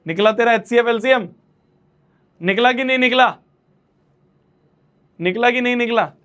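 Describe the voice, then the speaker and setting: A man's voice: extremely high pitch, normal speed, a bit bright. A young man teaching a maths class in a playful, teasing way, repeating his questions to the students. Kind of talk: online class lecture.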